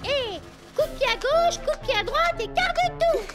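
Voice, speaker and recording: A woman voicing a bubbly, friendly little girl with an expressive, bouncy delivery in a children's cartoon dub. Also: extremely high pitch, moderate pace. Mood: brisk, upbeat. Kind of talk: animated children's cartoon dubbing. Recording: music behind the voice.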